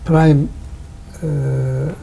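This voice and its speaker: An older man, a guest artist answering interview questions in halting, with many pauses, recorded on a lapel mic in a television studio. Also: fairly high pitch, fairly even intonation, gravelly, mellow, a little hiss or hum, poor audio. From Iraq. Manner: halting non-native English with frequent pauses.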